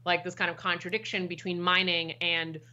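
A woman's voice: fairly low pitch, little pitch movement, a little fast, bright, forceful tone. A middle-aged American woman, a professor guest, explaining at length in a podcast interview and often checking in with "right?". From United States. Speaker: guest expert, political science professor.

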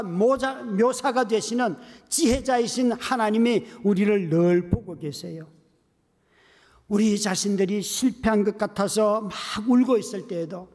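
A middle-aged male pastor preaching at a revival, dropping to hushed whispers and rising to loud pleading cries. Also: extremely high pitch. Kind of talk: revival sermon. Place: church sanctuary. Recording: long hall reverb.

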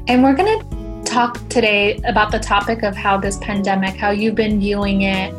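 A woman who hosts the show as a therapist and coach, speaking in a soft, affirming, gently emphatic way through a scripted intro and her interview questions. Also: medium pitch, normal speed, faint music behind. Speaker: podcast host, therapist and coach.

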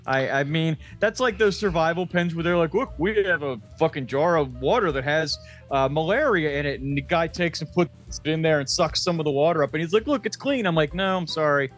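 A man's voice: on the high side, lively intonation, fairly quick, a bit bright, soft background music. A man chatting casually as a podcast co-host, joking crudely and swearing as he tells on himself. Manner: crude joking, profane, self-deprecating. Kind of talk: casual comedic podcast chat.

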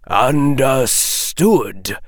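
A man's voice: medium pitch, animated, extremely slow, no echo, clean studio sound. A man voicing a cunning male snake that hisses in clipped, broken sentences. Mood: cold, urging. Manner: hissing clipped broken speech.

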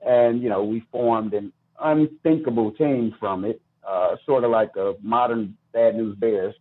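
A man's voice: fairly low pitch, unhurried. American male, middle-aged, interview guest telling personal stories, slightly phone-like sound. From Chicago, United States. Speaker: podcast guest, youth baseball coach and charity founder.

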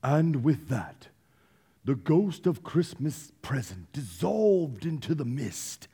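A man narrating a radio play as a solemn, dramatic storyteller with deliberate phrasing. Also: a little high, sing-song, creaky, slightly rough, heavily acted. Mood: ominous, hushed awe. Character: solemn male storyteller of a ghost tale. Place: theatre stage before live audience. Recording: stage recording, loud plucked-string music behind.

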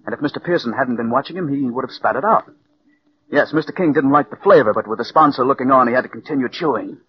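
A man's voice: mid-range voice, quick pace, slight background noise, natural voice. A man playing a cool, scheming murderer narrating. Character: calm scheming male writer, cold murderer. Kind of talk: 1940s radio acting. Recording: dull old radio broadcast recording.

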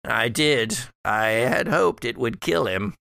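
Man playing a slow, creaky, scholarly dead patriarch. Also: medium pitch, lively intonation, sharp tone, no room sound, studio quality, exaggerated voice. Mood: measured, secretive. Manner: halting, deliberate, formal phrasing. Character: dead old male ancestor, scholarly, wry, scheming. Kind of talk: improvised tabletop horror roleplay.

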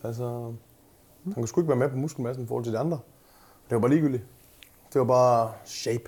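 Chatty man, a coach telling stories. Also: mid-range voice. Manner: lively storyteller, casual swearing, many fillers. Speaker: bodybuilding coach. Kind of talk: casual podcast chat.

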